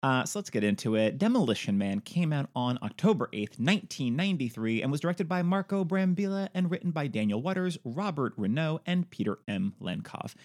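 Male podcast co-host, casual and chatty, with a lot of swing in his pitch. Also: very animated, brisk, hardly any pauses, darkish tone. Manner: chatty, laughing, with many fillers and restarts. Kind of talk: casual film chat.

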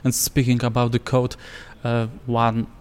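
A man's voice: mid-range voice, completely flat delivery, a little slow, a little mellow, smooth, in a large hall. A man whose first language is Polish, hosting an interview and speaking hesitantly with many fillers. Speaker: podcast host. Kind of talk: interview questions.

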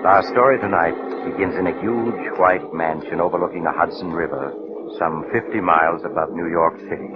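A man's voice: low voice, moderate pace, lightly acted. An actor playing an eerie male storyteller who invites listeners into strange, terrifying tales, in a 1940s radio drama. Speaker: narrator. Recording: tinny old radio recording with loud music.

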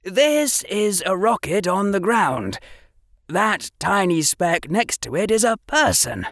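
Male reader as a clever earnest boy lecturing, lively and gravelly, unhurried. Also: high voice, no room sound, studio quality, pitched above the performer's own voice, exaggerated voice. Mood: proud, explaining. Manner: earnest lecturing with proud tremble. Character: precocious earnest boy explaining science.

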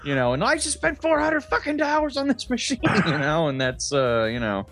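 A man's voice: high-pitched, very animated, moderate pace, a bit bright, faint music behind. A man co-hosting a podcast, chatting casually and swearing freely in an exasperated, self-mocking way. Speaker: podcast co-host.

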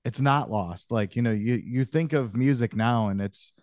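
A man's voice: medium pitch, normal speed, darkish tone, no room sound. Male podcast host, casual, sweary, middle voice, dry mic. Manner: loose, swearing, filler-heavy.

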